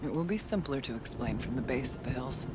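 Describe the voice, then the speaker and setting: An actress playing a solemn, proud tribal shaman woman in a video game, speaking in formal, measured phrases. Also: very deep voice, animated, noisy background. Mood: solemn, earnest. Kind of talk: video game cutscene acting.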